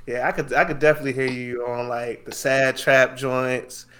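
Measured male co-host. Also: medium pitch, little pitch movement, a bit bright. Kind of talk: casual conversation.

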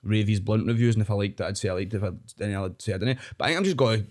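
Scottish guy w really broad glasgow accent, talks super fast, casual rambly chat, sweary slang. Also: fairly low pitch, a little mellow. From Scotland. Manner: rambling, slangy, sweary, frequent "know what I mean". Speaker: online food reviewer, podcast guest.

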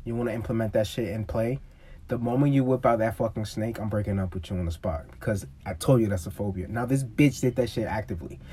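Blunt, husky-voiced man cursing freely. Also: lowish voice, fast, dark tone. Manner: blunt and profane. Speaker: podcast co-host. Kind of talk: crude casual chat.

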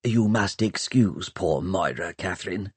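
A man voicing a kindly older male historian with a soft, husky voice. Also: medium pitch, sing-song, measured pace, no room sound, pitched above the performer's own voice. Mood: hushed.

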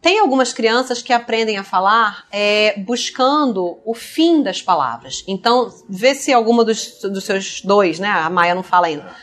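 A woman's voice: mid-range voice, animated, moderate pace, hardly any pauses, a bit bright. A woman, a speech therapist explaining child language development in a casual interview, using vivid analogies.

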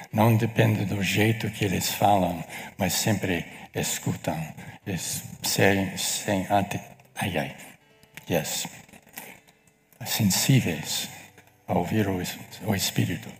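A man teaches a church meeting in a very slow, halting way, searching for his words. His lowish voice is gravelly, with a lot of fry. The echoey hall adds a long reverb behind him. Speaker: preacher.

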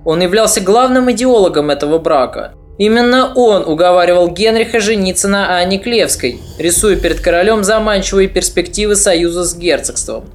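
A podcast narrator reading a scripted history story in a measured, slightly ironic way. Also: mid-range voice, soft background music.

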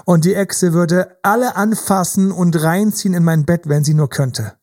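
A man's voice: sits high, moderate pace, a little mellow. A man talking as a relationship coach in casual podcast conversation, emphatic and repetitive, building vivid images.

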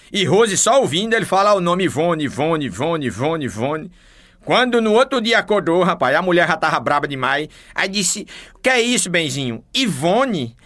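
A man with a northeastern Brazilian accent from Paraíba rattles off folksy jokes in a chatty, animated way. His voice sits high and bright, swinging up and down as he tells them. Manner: chatty, peppers talk with "rapaz". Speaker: joke teller. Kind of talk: folksy joke telling.

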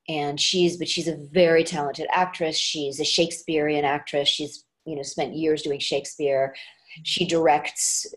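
A woman dialect coach and actress, talking casually in an interview with many restarts and fillers. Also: low-pitched.

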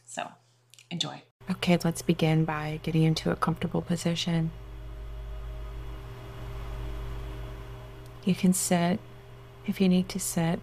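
A woman guides a meditation in a low, creaky voice. Her delivery is slow, soothing and gently instructing, over faint background noise.

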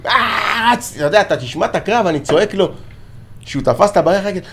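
A middle-aged man, a martial arts coach, guest in a casual interview, telling stories animatedly and acting out shouts and quotes. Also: high voice, animated, slight background noise.

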